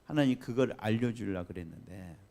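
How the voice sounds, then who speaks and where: A man preaching a Sunday sermon as pastor, chatty and lively, asking the congregation questions and laughing along. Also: on the low side, fairly quick. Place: church sanctuary.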